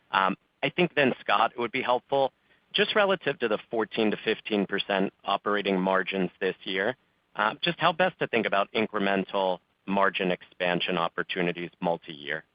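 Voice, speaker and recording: A man's voice: low-pitched, dry recording. A man working as a financial analyst, putting questions to executives on an earnings call with dull audio.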